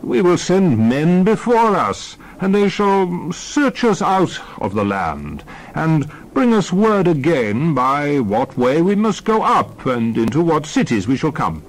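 Man playing solemn, commanding Moses, expressive delivery. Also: fairly high pitch, slow, rough recording. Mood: solemn, exhorting. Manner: declamatory, archaic scriptural phrasing. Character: Moses, male biblical leader, solemn and commanding. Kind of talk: dramatized Bible reading.

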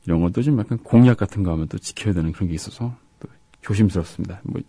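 With a low voice and a breathy edge, a radio co-host reads listener comments and chats casually, soft-spoken and halting, leaving gaps between words. The recording is dry and of studio quality.

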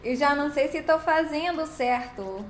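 A woman's voice: high voice, lively intonation, moderate pace, a little hiss or hum. A woman hosting a casual live stream, greeting viewers by name with pet names and chatty affection. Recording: roomy echo with faint background music.

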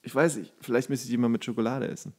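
A man's voice: medium pitch, fairly even intonation, racing, a little mellow. A man co-hosting a podcast in casual, jokey banter, playfully riffing as he chats. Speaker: podcast co-host.

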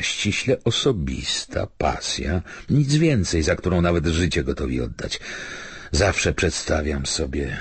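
A man's voice: a bass voice, husky, no room sound, exaggerated voice. A man voicing an opinionated, good-humoured Tsarist colonel musing rhetorically in an audiobook.

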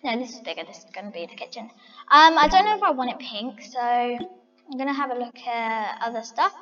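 A woman's voice: a little high, lively intonation, fairly quick, sharp tone, long reverb tail, dull audio, soft background music. A woman chatting to her viewers as she decorates a house in a game, thinking aloud. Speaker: vlogger. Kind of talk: casual game commentary.

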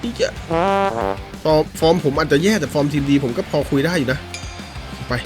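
A gaming YouTuber talks fairly quickly while playing a football video game, offering casual, excitable commentary over background music. His voice swings between low mutters and high yelps, and he swears at the game.

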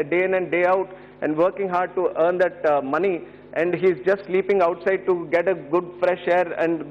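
High-voiced Indian man addressing parliament. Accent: Indian English. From Andhra Pradesh, India. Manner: earnest and pleading, many hesitations and "sir" addresses, gesturing. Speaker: member of parliament. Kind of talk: parliamentary speech. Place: large parliament chamber, indoors. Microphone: fixed desk microphone. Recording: reverberant chamber, dull broadcast audio.

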